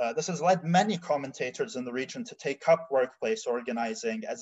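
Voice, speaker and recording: Very wide pitch swings at a moderate pace against a quiet background. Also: man. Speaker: writer, activist and book editor. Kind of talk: panel talk. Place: home room. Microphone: webcam.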